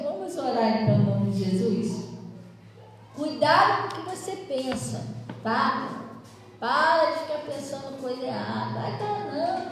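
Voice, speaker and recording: A woman pastor preaching a sermon in a chatty, storytelling way to her congregation. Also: high voice. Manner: conversational, animated storytelling to the congregation. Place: church hall. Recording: distant mic in an echoey church hall.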